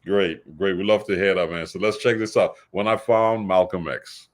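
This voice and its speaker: A man's voice: deep voice, fairly even intonation, normal speed, noisy background. A man hosting a music show in casual chat, often repeating phrases for emphasis. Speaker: radio show host.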